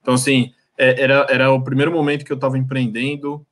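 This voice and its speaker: A man's voice: mid-range voice, flat delivery, fast talker. Friendly hesitant Brazilian man. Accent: Brazilian Portuguese. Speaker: lawyer and entrepreneur. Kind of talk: panel discussion, conversational.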